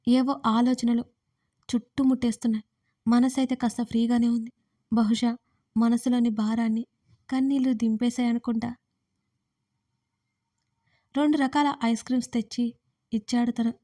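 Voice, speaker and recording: Casual: woman telling a love story in first person, soft and intimate, kinda high but mellow. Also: little pitch movement, moderate pace, long pauses, no room sound, studio quality. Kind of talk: first-person romance audio story narration.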